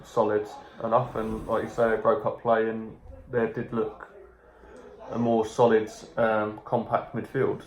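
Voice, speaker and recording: A man co-hosting a casual football chat, giving measured, plain opinions. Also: fairly low pitch, completely flat delivery. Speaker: podcast co-host. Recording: echoey room.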